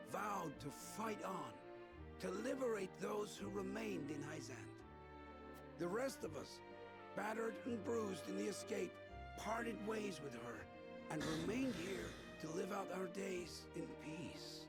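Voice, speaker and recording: An actor playing an old villager in a fantasy game, with deliberate, old-fashioned storytelling speech, recalling the past. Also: male voice, high-pitched, animated, gravelly, exaggerated voice. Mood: proud, reminiscing. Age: older. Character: old Rosellan villager recalling a long-ago revolt. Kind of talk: scripted fantasy game voice acting. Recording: game music behind the voice.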